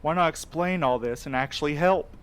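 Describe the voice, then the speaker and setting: A man's voice: a little high, brisk, a bit bright, clear, resonant tone, lightly acted. A man playing a skeptical, guarded courier in an audio drama, with an articulate, wry way of talking. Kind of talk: scripted audio drama acting. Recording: outdoor night insect ambience behind voice. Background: crickets and night insects.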